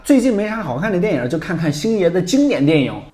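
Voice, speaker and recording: A man's voice: high voice, very animated, quick pace, mellow. A man hosting a tech review, narrating from a script with playful, wry commentary.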